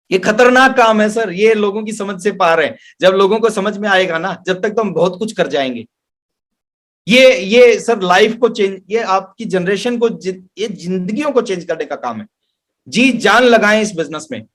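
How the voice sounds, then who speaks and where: High-pitched male motivational speaker. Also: fairly bright tone. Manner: emphatic, repeats phrases for effect. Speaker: business trainer, motivational speaker. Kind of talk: motivational sales training talk with anecdotes. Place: online webinar.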